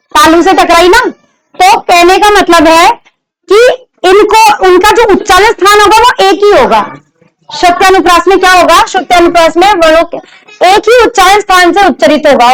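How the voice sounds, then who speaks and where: High-voiced woman teaching a class. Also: low-quality recording. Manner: explains step by step, repeats examples, asks the class questions. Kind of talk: classroom lecture on Hindi grammar.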